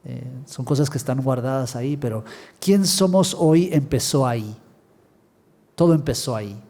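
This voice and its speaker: A man from Guatemala speaking as a writer on a panel, calm and reflective, often closing with short tag questions. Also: medium pitch, normal speed. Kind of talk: reflective conversation at a cultural talk. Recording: long hall reverb.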